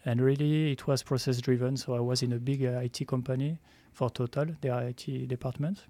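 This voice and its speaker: A French-accented man in his thirties, a startup co-founder telling his story in a studio interview, measured and quick to laugh at himself. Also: medium pitch, flat delivery, warm tone, dry recording. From France. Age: 30s.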